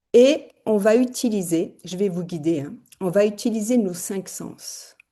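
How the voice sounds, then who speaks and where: A woman speaks very slowly at a medium pitch, her loudness swinging widely while her pitch varies in an ordinary way. The tone is dark and mellow, and the background is quiet. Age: 60s. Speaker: spiritual teacher. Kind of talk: introduction to guided meditation session. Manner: hesitant, many fillers.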